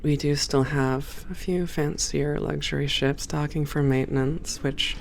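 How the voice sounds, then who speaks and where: A creaky, gravel-edged voice carries this friendly female spaceport supervisor, acted out for an ASMR roleplay. She is composed and professional, talking a new hire through things in a measured, welcoming way. The pitch sits in an ordinary middle range. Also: steady tone, a little hiss or hum. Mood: reassuring, instructive. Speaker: audio roleplay performer. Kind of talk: ASMR roleplay, one-sided conversation.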